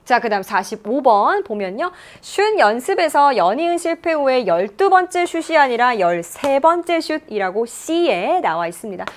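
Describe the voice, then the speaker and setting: A woman English teacher giving a lively exam explanation lecture from a studio, reading English lines slowly and explaining them in Korean. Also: high-pitched.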